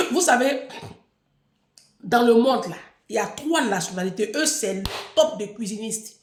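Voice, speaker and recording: High-pitched woman scolding her followers. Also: lively intonation, unhurried, echoey room, a little hiss or hum. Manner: scolding, emphatic, repeats words. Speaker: online personality addressing followers. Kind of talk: unscripted livestream monologue.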